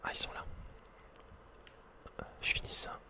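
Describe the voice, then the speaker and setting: A man whispering unhurriedly as he thinks aloud, hosting an ASMR video game playthrough. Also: measured pace. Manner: whispering throughout. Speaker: ASMR gamer host.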